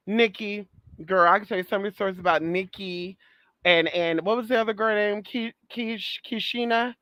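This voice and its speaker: A woman's voice: medium pitch, a little slow, long pauses, a bit bright, no echo. A trans woman vlogging in a sassy, profane monologue, calling listeners girl, honey and baby and repeating phrases for emphasis. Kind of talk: casual monologue rant.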